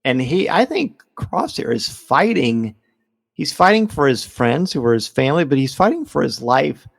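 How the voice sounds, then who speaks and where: A man's voice: fairly high pitch, sing-song, moderate pace, creaky, breathy edge, no room sound, clean studio sound. A middle-aged man hosting a casual fan discussion in an enthusiastic way. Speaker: podcast host.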